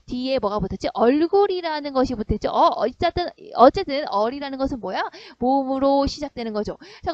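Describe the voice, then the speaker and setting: A woman's voice: high-pitched, no echo. A woman teacher giving an online grammar lesson, speaking animatedly and asking her students rhetorical questions. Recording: slightly dull, dry sound.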